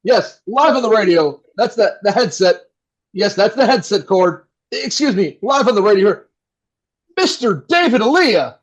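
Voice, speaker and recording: A man's voice: high-pitched, expressive, normal speed. A man playing a slick, enthusiastic 1960s radio host who can turn into a crude jerk. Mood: polished, eager. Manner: enthusiastic, showy patter. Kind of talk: 1960s radio announcer acting.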